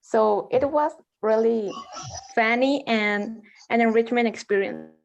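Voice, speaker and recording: A woman with an Ecuadorian Spanish accent talks hesitantly in a gravelly, fry-laden voice. Her pace runs uneven, and the call audio sounds dull. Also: a little high, measured pace. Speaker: hackathon participant.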